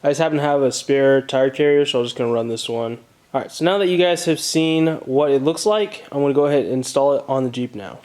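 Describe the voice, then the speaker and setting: A man's voice: medium pitch, quick pace, darkish tone. A man hosting a casual how-to vlog, explaining things in an informal, plain-spoken way. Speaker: host of a car DIY channel.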